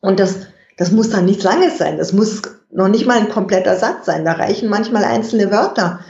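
A guest expert in an interview, explaining communication in a measured way and thinking aloud with fillers. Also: mid-range voice, creaky, darkish tone. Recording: dull, roomy recording.

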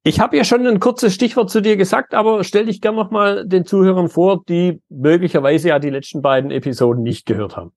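A man hosting a podcast, who reads a measured intro and then asks questions in conversation. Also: high-pitched, darkish tone, no room sound, clean studio sound. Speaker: podcast host.

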